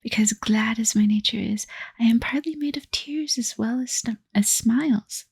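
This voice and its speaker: A woman voicing a cheerful, coaxing little winged fairy, in a breathy whispered role-play. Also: on the high side, moderate pace, darkish tone, dry recording, full character voice. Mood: tender.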